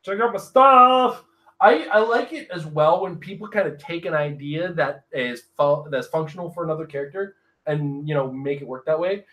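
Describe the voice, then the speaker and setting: A man's voice: on the high side, normal speed. A man co-hosting a podcast, chatting casually and telling easygoing stories about gaming. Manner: easygoing storyteller. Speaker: podcast co-host. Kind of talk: casual chat.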